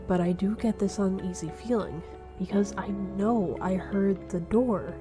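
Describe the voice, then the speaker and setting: A woman narrating a scripted spooky first-person story as the storyteller. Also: medium pitch. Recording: music behind the voice. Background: background music.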